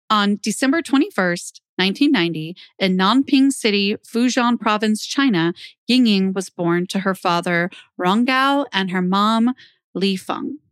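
A woman's voice: medium pitch, a bit bright, clean tone, no echo. A young woman hosting a true crime podcast, reading scripted narration into a close microphone. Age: young adult. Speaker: podcast host.

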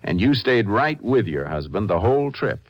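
An actor playing a shrewd, steady Texas Ranger with a laconic, folksy manner in a 1950s radio drama. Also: male voice, lowish voice, no room sound, dull audio. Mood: calm, probing. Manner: laconic, folksy, unhurried authority. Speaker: lead actor and narrator. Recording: noisy vintage radio recording.

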